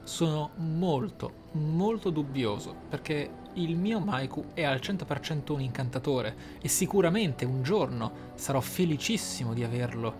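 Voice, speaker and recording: A man commentating his game playthrough, thinking aloud in a deliberate, theatrical way with dramatic pauses. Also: a little high, animated. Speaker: gaming YouTuber, player. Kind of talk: game playthrough commentary with role-play musing. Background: game music.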